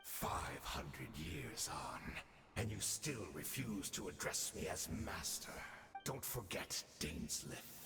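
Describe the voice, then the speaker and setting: An actor playing an arrogant, calm, immortal old swordmaster in a fantasy game, talking in a measured, condescending, gravelly way. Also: male voice, rumbling low, echoey room, in a large hall, background noise, heavily acted. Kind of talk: fantasy video game voice acting.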